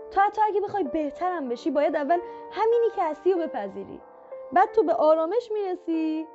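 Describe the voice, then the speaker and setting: A woman speaking directly to the listener as a self-help speaker, coaching in a repetitive, encouraging way. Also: high-pitched. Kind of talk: motivational talk to the viewer. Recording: muffled lo-fi audio with faint background music.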